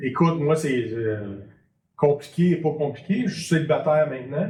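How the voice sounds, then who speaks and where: A man speaks with a Quebec accent. His pitch sits fairly high for a man. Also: ordinary pitch variation, moderate pace. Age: 50s. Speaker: chef. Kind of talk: interview. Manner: hesitant with fillers.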